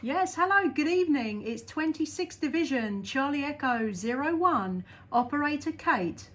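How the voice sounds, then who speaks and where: A woman from southeast England with a southern English accent, working CB radio contacts in an upbeat, friendly way. Her voice sits high, and a faint hiss runs underneath. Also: lively intonation, normal speed. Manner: cheerful, spells out callsign in radio alphabet. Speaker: CB radio operator. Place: home radio station.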